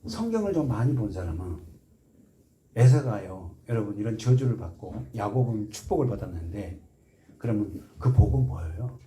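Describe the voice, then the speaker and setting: A man's voice: big pitch swings, moderate pace, a little hiss or hum. A man preaching a sermon as pastor, emphatic and full of questions to the congregation, with folksy asides and led group readings. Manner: emphatic, swings between soft low asides and loud impassioned appeals. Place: church sanctuary.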